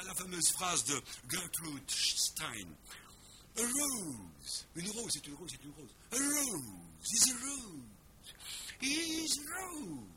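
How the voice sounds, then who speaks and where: Emphatic male lecturer, lively bright voice. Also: medium pitch, slight background noise. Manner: emphatic, stammers repeated words while explaining; drops in English words with exaggerated pronunciation.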